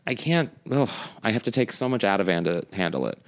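A St. Louis comedian, guesting on a podcast, chats casually in a rambling, blunt and profane way, often breaking off mid-sentence. His voice sits on the low side, with lively intonation and a slightly fast pace.

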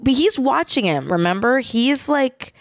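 A woman co-hosting a podcast, recapping a movie in blunt, animated casual chat. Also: sits high, no echo, clean studio sound. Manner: blunt, animated, quick to judge. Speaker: podcast co-host.

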